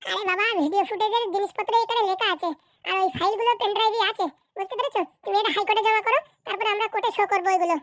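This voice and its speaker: A woman's voice: very high-pitched, steady tone, rapid-fire, dry recording, clean studio sound. A woman voicing a bossy, impatient female politician in a comedy cartoon, curt and insistent.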